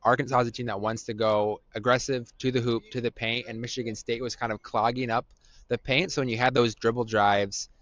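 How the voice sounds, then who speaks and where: A man co-hosting a podcast, giving measured, analytical sports talk with frequent "um" pauses. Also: medium pitch, level tone, fairly bright tone. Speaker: podcast co-host. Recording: dull, dry lo-fi audio.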